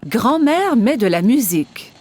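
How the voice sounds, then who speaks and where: A woman narrating a scripted children's story with a clear storytelling delivery. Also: fairly high pitch, very animated, a little slow, darkish tone, slight background noise.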